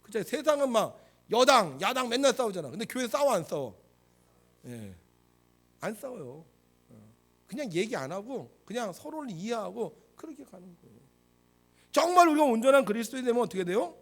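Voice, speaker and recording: A man preaching a Sunday sermon as pastor. He asks the congregation questions and answers them himself, and he swings between loud emphasis and soft asides. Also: very high-pitched, sing-song, brisk.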